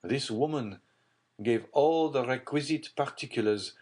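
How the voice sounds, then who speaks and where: Voicing an audiobook character, a man plays a grim, despairing prosecutor who is middle-aged and secretive, confiding in a grave, urgent way. His medium-pitched voice is unhurried and a little mellow, pushed up slightly and lightly acted.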